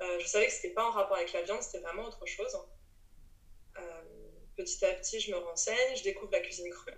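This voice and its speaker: In a room with audible echo, a woman speaks at a very fast pace, with long, frequent pauses and big swings in loudness. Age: 30s. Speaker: raw vegan chef and aromatologist. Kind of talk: interview.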